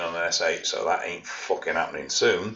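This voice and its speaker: A man talks at a fairly quick pace. He has a Yorkshire accent. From Yorkshire, northern England. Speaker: fitness vlogger and coach. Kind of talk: casual vlog Q&A. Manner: casual, sweary.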